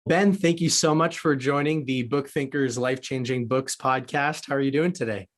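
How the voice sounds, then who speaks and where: A man's voice: medium pitch, normal speed, faint music behind. A man hosting a podcast interview in a conversational, upbeat and articulate way.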